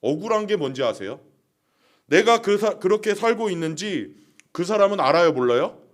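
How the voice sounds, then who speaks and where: Brief: a male preacher with a high, animated voice who questions his congregation and acts out short scenes. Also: normal speed. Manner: keeps asking the congregation questions; plays out dialogue. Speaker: pastor. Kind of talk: sermon.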